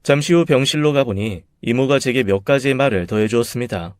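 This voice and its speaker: A young man narrating his own story in a measured, bitter, confessional way. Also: medium pitch, clean tone, no echo, clean studio sound.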